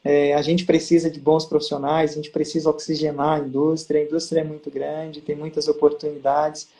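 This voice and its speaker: A man's voice: on the high side, a little fast. A Brazilian man on a video call, telling stories as an interview guest and acting out quoted exchanges. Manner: storytelling, animated quoting. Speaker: guest, pharma district manager. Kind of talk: casual live interview.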